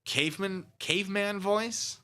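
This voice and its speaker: A man's voice: high voice, measured pace, pushed and bright. A man live streaming, rambling casually with mock-petty sarcasm while reading chat.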